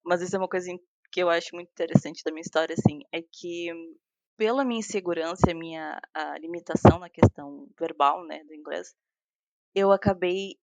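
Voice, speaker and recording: A woman, a software engineer talking casually as a guest in an interview, with many restarts and fillers. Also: lowish voice, fairly quick, no room sound. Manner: chatty, frequent restarts and fillers, laughs while talking.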